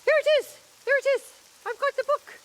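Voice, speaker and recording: A woman voicing a fussy, excitable storybook monarch in a puppet show, bossy and full of exclamations. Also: very high voice, brisk. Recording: puppet show with music behind.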